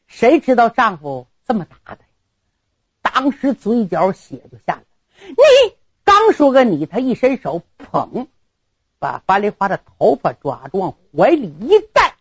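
A woman's voice: mid-range voice, husky, no echo, lo-fi sound. A woman performing a traditional story, dramatic, with sound words and asides to listeners.

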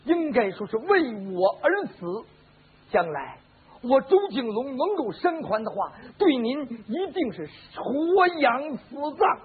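A man's voice: very high-pitched, big pitch swings, measured pace, husky, pitched above the performer's own voice, exaggerated voice. A male storyteller voicing a grateful young nobleman who speaks with earnest, solemn fervor, on a lo-fi recording. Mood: fervent. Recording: lo-fi phone-like band with faint hiss.

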